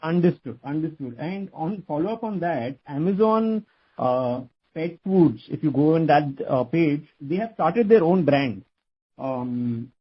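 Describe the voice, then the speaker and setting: A man's voice: a little high, animated, unhurried, breathy edge. A man calling in to an earnings call with a long question that he restates. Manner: wordy, circling back to restate the question. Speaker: analyst caller. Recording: muffled phone line.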